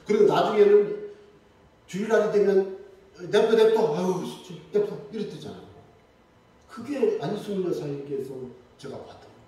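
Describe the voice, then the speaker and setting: A man preaching a Sunday sermon in lively storytelling style, acting out the voices of the people in his stories. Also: sits high. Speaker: pastor. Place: church sanctuary. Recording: echoey church hall, mic from a distance.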